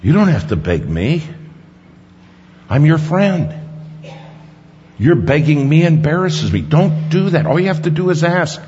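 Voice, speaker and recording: A man voicing a calm male friend who gently tells him he need not beg, in a dull recording with long hall reverb. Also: a little high, unhurried, pauses often, a little hiss or hum, voice pushed up. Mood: reassuring.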